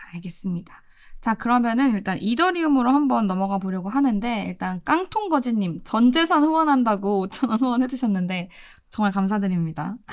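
Pitch swings very widely as a woman with a fairly high voice talks at a fairly quick pace against a quiet background. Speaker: announcer hosting a crypto market show. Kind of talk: live market analysis talk. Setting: studio live stream. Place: studio. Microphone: studio mic.

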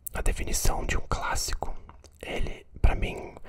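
Over loud background noise, a man whispers, soft-spoken and at a fairly slow pace. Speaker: film reviewer. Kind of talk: casual vlog chat about a film. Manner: soft close-mic ASMR whisper. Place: home room. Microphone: studio mic.

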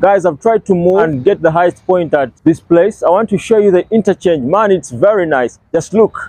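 The sound is dry with no echo as a man talks at a moderate pace in a high voice with ordinary pitch variation. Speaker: travel vlogger. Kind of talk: casual vlog chat. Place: street. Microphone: lapel.

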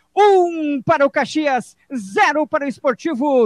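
A man's extremely high voice at a very slow pace, dry and close with no echo. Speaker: sports commentator. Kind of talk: live football commentary, co-commentator recapping the goals. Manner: calmer, explanatory, measured.

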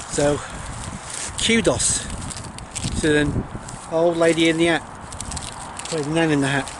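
Fairly high-pitched man at a moderate pace, with fairly even intonation, long, frequent pauses, dry sound with no echo and noticeable background noise. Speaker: metal detectorist. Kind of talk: casual talk to camera. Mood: cheerful, jokey. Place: open country. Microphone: phone near.

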